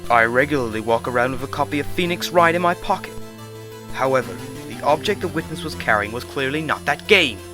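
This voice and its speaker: A man's voice: mid-range voice, expressive, fairly quick, natural voice. A man in an English game fan dub playing a haughty, easily flustered young prosecutor in a formal, indignant, theatrical way. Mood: argumentative. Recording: amateur dub under loud music.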